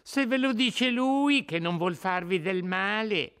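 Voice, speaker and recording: A man's voice: high-pitched, animated, slow pace, a bit bright, clear, resonant tone, pitched above the performer's own voice, heavily acted. A man reading aloud voices a humble old woman servant, who talks in a servile, excusing way. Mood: fawning.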